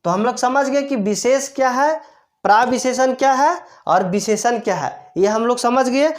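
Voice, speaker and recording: A woman's voice: on the high side, normal speed. A woman grammar teacher explaining step by step, asking rhetorical questions and answering them herself, repeating each key term. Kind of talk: classroom-style explanation.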